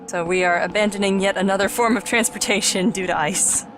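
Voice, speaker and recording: A woman's voice: mid-range voice, steady tone, a little fast, low-quality recording. A woman hosting a let's play with casual, joking commentary and some offhand swearing. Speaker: let's play host, playing the game. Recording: voice over game music. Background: game music.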